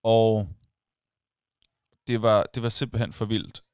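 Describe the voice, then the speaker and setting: A man co-hosting a casual chat, telling a story with energy and acting out the shouts of others. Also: fairly low pitch, clear, resonant tone, dry recording, studio quality. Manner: animated storytelling, acts out crowd shouts.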